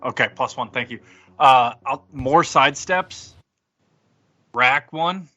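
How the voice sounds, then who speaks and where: A man's voice: mid-range voice, slow pace, sharp tone, muffled recording. A man chatting casually as a player in a tabletop game.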